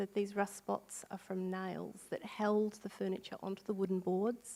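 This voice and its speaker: A woman speaks at a medium pitch with a dark, mellow tone. Her intonation is monotone and flat. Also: moderate pace. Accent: Australian. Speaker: bookbinder and conservator. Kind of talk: panel discussion.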